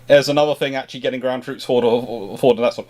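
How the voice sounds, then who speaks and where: A man with a medium-pitched voice explains his thinking as host of a casual history show. He talks at length, speculating freely. He often restarts and rewords a point as he goes. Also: fairly even intonation, very fast, a little mellow.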